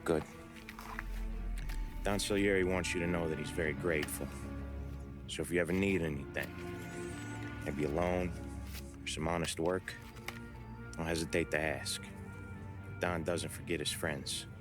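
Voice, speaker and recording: An actor playing a calm, menacing American mobster in a video game, speaking in a measured, quietly intimidating way. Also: male voice, sits low, over music. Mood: calm, courteous. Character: calm, menacing middle-aged male mobster messenger.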